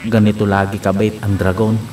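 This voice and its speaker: A man acting as an affectionate, teasing husband in a comedy skit, flattering his wife and calling her darling. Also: lowish voice, brisk, noisy background, lightly acted. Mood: playful, flattering. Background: background music.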